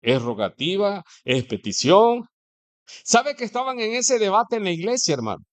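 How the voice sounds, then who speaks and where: A male preacher with a Mexican Spanish accent delivers a sermon in a church. His voice sits somewhat high for a man. He talks conversationally and keeps posing rhetorical questions to the congregation. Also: big pitch swings, normal speed.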